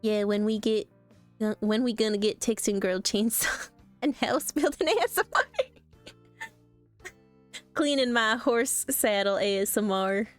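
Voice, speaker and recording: A young adult woman streaming casually, reacting to posts in a playful, animated way and laughing often. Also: mid-range voice, a little slow, pauses often, no room sound, faint music behind.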